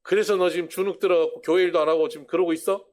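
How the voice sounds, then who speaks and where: A pastor acting out a blunt gruff apostle. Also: male voice, high voice, steady tone, very fast, darkish tone, pitched above the performer's own voice, close to an everyday voice. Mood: scolding. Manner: brusque, scolding, then confessing. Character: blunt, gruff middle-aged male apostle leader.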